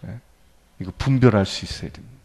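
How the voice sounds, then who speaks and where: A male priest giving a sermon lecture in a church, animated and often prompting his listeners with questions. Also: lowish voice, fast, breathy edge.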